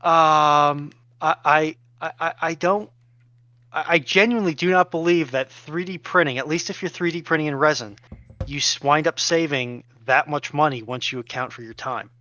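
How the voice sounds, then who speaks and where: Male co-host, bright forceful voice, measured formal wording, dry but slightly dull voice-chat audio. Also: fairly high pitch, dry recording. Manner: measured, wordy, formal phrasing. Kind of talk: casual live chat.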